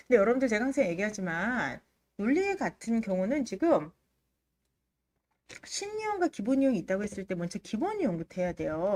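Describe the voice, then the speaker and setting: A woman's voice: mid-range voice, darkish tone. A woman teaching exam prep on a livestream, addressing students in an emphatic, conversational way, with a slightly ailing, allergy-affected throat. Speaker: Korean-language exam prep instructor, live lecture host.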